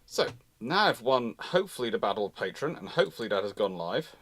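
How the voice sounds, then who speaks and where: A man's voice: mid-range voice, big pitch swings, fast, fairly bright tone. A man hosting a casual live question-and-answer talk, often breaking off and restarting as he speaks. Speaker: host of a naval history livestream.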